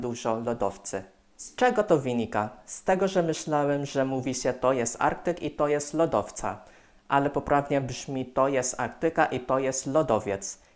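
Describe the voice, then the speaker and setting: At a moderate pace, a man speaks. His pitch is medium, with ordinary pitch variation. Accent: non-native. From Philippines. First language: non-native Polish speaker (speaking Polish). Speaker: YouTuber. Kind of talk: vlog monologue. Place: home room. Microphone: studio mic.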